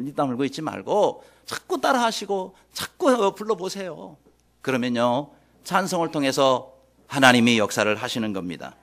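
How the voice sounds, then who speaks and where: A middle-aged male pastor preaching with a high, very lively voice. He swings between soft asides and loud calls and draws his congregation into call and response. The delivery is dramatic and full of sweeping rises and falls. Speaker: senior pastor. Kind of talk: sermon.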